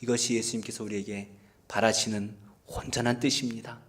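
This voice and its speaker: A man preaching a Sunday sermon as pastor, in an earnest, pleading way that swings between loud stressed phrases and hushed near-whispers. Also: lowish voice, little pitch movement, fairly quick. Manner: earnest, pleading appeals to listeners. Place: church service.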